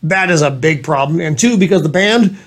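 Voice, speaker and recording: A high-voiced man with a New England accent, joining a friend for a casual chat over drinks. He is sarcastic and jokey and slips into put-on voices for comedy. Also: expressive, brisk, fairly bright tone. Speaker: co-host.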